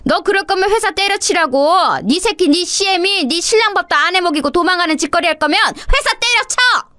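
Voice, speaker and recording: A woman voicing a furious older mother-in-law who shouts and berates her daughter-in-law in coarse words. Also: extremely high pitch, lively intonation, normal speed, no room sound, pitched above the performer's own voice, exaggerated voice. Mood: raging scold. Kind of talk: dramatized story reading.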